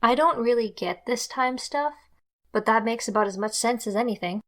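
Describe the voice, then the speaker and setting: A woman's voice: on the high side, normal speed, a bit bright, lightly acted. A woman playing an easygoing, unsure companion in an audio drama, casual and tentative. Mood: puzzled, easygoing.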